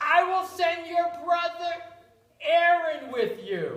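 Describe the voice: Using a put-on character voice, a woman projects in a raised voice at an extremely high pitch and a very slow pace, with a slight echo.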